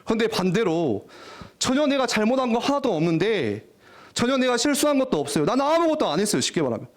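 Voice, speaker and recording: A young man preaching a lively, jokey youth sermon in a church, often acting out teenagers' voices. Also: extremely high pitch, quick pace. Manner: animated, jokey, acts out teen voices. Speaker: youth pastor. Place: church worship hall.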